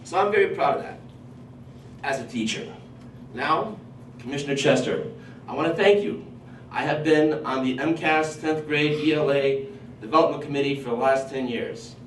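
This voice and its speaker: A man who grew up in Portugal and whose first language is Portuguese, a high school teacher testifying at a public hearing in an earnest, animated way. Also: moderate pace, long pauses. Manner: earnest, animated when quoting himself and students. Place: large hall at a public hearing. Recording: roomy hall, voice from a distance, faint noise.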